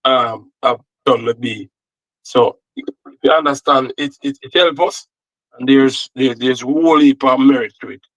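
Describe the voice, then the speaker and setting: A Jamaican man in casual talk about football coaching, circling back and repeating himself as he explains. His voice sits at an ordinary mid pitch. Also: unhurried, rough recording. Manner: rambling, repeats words. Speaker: football analyst and co-host. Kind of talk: casual chat.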